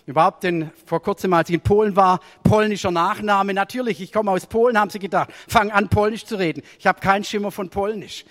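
High-voiced male preacher, storytelling sermon style, reverberant hall sound. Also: fairly even intonation, fairly quick, few pauses. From Germany. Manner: storytelling sermon with swings between raised emphasis and quiet asides.

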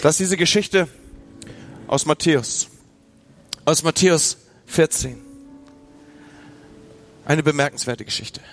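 A man's voice: a little high, slow pace, pauses often, a little hiss or hum. A man preaching a sermon, from northern Germany, talking straight to his listeners and acting out their inner voices. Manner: lively, speaks to the listener directly, acts out inner voices. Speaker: pastor.

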